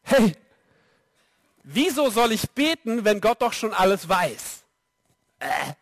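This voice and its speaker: High-voiced, unhurried man preaching. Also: gravelly, no room sound. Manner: lively, direct address to the audience. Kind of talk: sermon.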